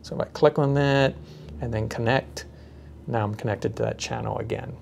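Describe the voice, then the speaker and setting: A man giving a casual, unscripted product demonstration, speaking haltingly as he thinks aloud. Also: mid-range voice, fairly even intonation, gravelly, darkish tone, slight background noise.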